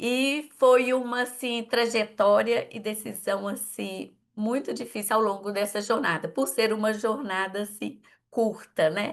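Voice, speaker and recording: Hardly pausing at all, a woman speaks at a fairly slow pace and fairly high pitch with ordinary pitch variation. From Minas Gerais, Brazil (Belo Horizonte). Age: 40s. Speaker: affiliate salesperson. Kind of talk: testimony.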